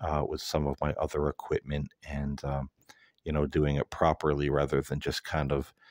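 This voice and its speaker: A man speaks at a moderate pace in a very deep, low voice with vocal fry and monotone, flat intonation. The sound is dry and close, with no echo. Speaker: paranormal investigator podcaster. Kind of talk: casual monologue. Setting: home office. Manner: hesitant, many fillers; quiet, low voice in parts of session.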